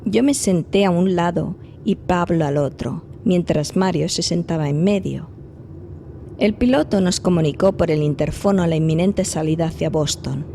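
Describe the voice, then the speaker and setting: Actress as mellow-voiced female investigator. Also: lowish voice, moderate pace, creaky, slight background noise. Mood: reflective. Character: female investigator, observant, thoughtful, narrating her adventure. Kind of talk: audio drama dialogue and first-person narration.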